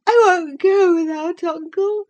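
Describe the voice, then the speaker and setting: Frail young boy for a storybook, high childish pitch, plaintive and questioning, woman doing it. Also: unhurried, a little mellow.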